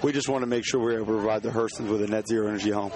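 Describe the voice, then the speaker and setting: A hoarse man, a home builder, answering interview questions on site with many restarts and fillers. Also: on the low side, steady tone, racing, a crowd in the background.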